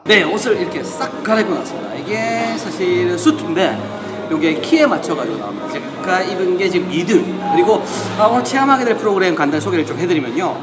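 A man's voice: sits high, sing-song, fast talker, poor audio. A man in his forties presenting a vlog to camera in an exclamatory, showman-like way. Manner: exclamatory, theatrical showman delivery. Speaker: video show host. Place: on location, outdoors and in a large indoor hall. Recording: loud music over the voice. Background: loud music.

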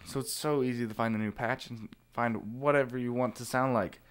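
A man narrating a software tutorial informally, explaining things step by step. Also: mid-range voice, steady tone, brisk, clean tone, soft background music. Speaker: tutorial presenter.

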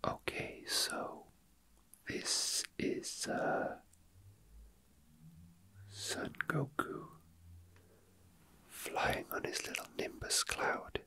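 Soft, breathy whispers come from a man who hosts ASMR videos, positioned near the microphone. He's unscripted and casual, and his words come out haltingly.

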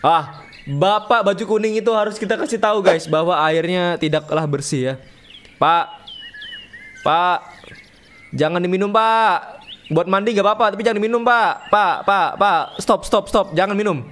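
Young streamer, high-pitched, loud joking banter over a horror game. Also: male voice, normal speed. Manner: rowdy, joking, slangy, reads game text aloud. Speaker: gaming streamer. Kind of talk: livestream game commentary.

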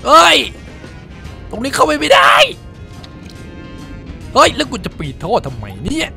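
A man giving casual gameplay commentary, excitable, swearing freely and exclaiming as he plays. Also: very high-pitched, measured pace, gravelly, soft background music. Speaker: gameplay streamer.

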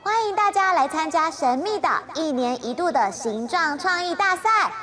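A woman's voice: very high voice, lively intonation, moderate pace. A woman with a Taiwanese Mandarin accent announcing a children's contest in simple, encouraging scripted speech. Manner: bright, simple address to small children. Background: music.

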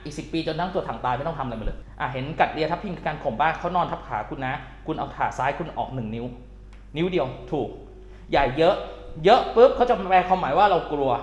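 A man working as a dog trainer, explaining dog behavior to owners in casual, animated coaching talk, with bursts of praise for the dog. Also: fairly high pitch, fast, reverberant, muffled recording.

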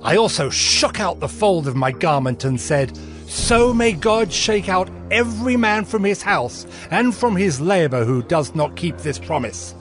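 A man playing a righteous governor narrating his deeds in a dramatized scripture reading, measured and earnest. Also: sits high, expressive. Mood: indignant, stern. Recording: music bed behind the voice.

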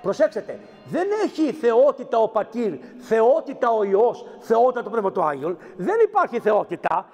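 A man's voice: very high voice, sing-song, few pauses, a little mellow, faint music behind. A man, a priest, giving a sermon in a teaching way and acting out the lines he quotes. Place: church. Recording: echoey church hall.

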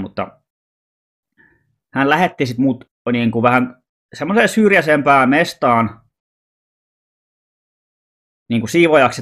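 A man's voice: mid-range voice, a bit bright. A man telling a personal story in a loose, rambling vlog monologue, informal and often swearing. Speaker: vlogger.

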